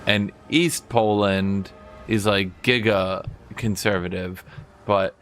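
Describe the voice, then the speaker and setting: A man's voice: on the low side, steady tone, slow, a bit bright, slight background noise. A man streaming a game, chatting casually and rambling to his viewers. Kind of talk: casual chat while gaming.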